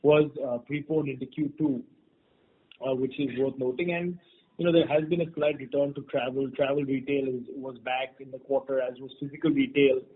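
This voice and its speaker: A man's voice: medium pitch, steady tone, normal speed. A man answering questions as a company executive on an earnings call, hesitant and repeating his phrases. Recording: dull phone conference line.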